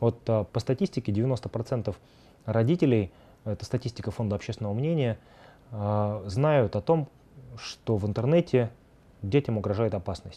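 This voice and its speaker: A man with a dark, mellow tone speaks fairly slowly, with ordinary pitch variation and long, frequent pauses. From Russia. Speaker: internet safety expert; interview guest. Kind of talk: interview monologue. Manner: hesitant with filler sounds. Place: studio. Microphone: lapel.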